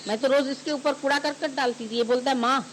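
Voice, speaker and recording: A startled, feverish old woman, as a male preacher briefly puts her on in his sermon. the voice is high and carries a faint hiss behind it. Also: steady tone, quick pace, a bit bright.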